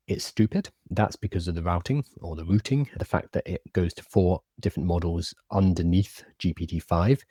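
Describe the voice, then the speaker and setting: A man hosting a casual live stream, chatting with a lisp and soft R's that sound like w's. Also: sits low, slightly rough, no echo, studio quality. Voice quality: lisp, can't say his R's, says w for r. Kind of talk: casual live-stream chat, answering viewer comments.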